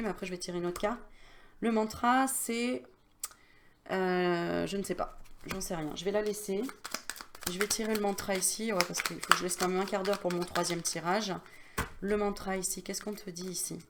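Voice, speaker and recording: A woman's voice: mid-range voice, a little hiss or hum. A woman medium giving a casual card reading straight to the viewer, chatty and familiar, coaxing and reassuring with lots of fillers.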